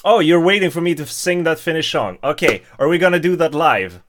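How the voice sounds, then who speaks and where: A man from Sweden, chatting casually and haltingly on his live stream, chuckling between many fillers. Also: fairly high pitch, animated, fairly bright tone, a little hiss or hum. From Stockholm, Sweden. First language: Swedish. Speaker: YouTuber hosting a live stream. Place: home setup at a table.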